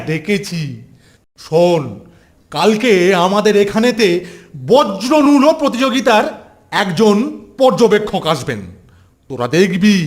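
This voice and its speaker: High-pitched, strict cartoon schoolteacher. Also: male voice. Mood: commanding. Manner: stern, emphatic, authoritative. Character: strict, commanding adult male school teacher. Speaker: cartoon voice actor. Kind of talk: Bengali children's cartoon dialogue.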